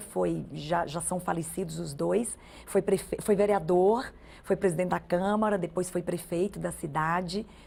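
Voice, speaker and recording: A woman speaks at medium pitch in a dark, mellow tone with vocal fry. Her pace is fairly slow. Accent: Bahian. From Brazil, interior of Bahia (Vitória da Conquista). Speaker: state legislator. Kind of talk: TV interview. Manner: measured, frequent tag questions.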